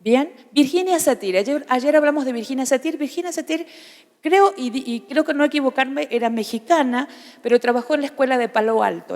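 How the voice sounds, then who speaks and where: Spanish-speaking woman pastor teaching in a hall. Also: a little high. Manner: warm, humorous, conversational, with frequent restarts. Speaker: pastor's wife teaching a parenting class. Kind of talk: church teaching talk. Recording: hall reverb.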